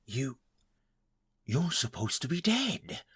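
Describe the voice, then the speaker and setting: A man's voice: mid-range voice, big pitch swings, slow, a bit bright, husky, heavily acted. A man playing an arrogant, furious vampire master in an audio drama, speaking in an imperious, menacing way. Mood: outraged.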